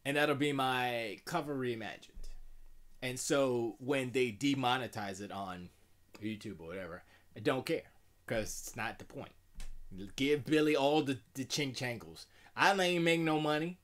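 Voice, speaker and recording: A middle-aged man with a deep voice, chatting casually and rambling in a self-deprecating way while streaming from his home music studio. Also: a little slow, fairly bright tone. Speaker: music producer streaming live. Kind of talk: casual live-stream chat.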